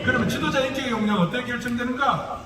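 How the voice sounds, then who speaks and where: A man's voice: extremely high pitch, quick pace. A male pastor with a Gyeongsang dialect gives a lecture-style sermon, joking and putting rhetorical questions to the audience. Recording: echoey hall, distant mic, noisy.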